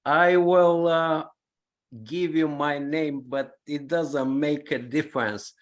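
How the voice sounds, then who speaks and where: An older man with a Bulgarian accent making a halting, emphatic comment from the audience at a public talk. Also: fairly high pitch, fairly even intonation. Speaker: audience member, peace activist.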